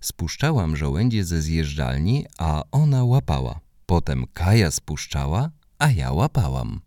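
A man reading a children's story aloud in the first person, expressive and animated. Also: rumbling low, unhurried, dry recording, studio quality. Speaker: narrator.

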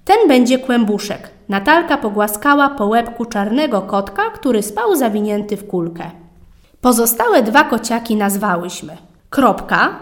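A woman narrating a children's story in a calm, expressive read-aloud tone. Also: on the high side.

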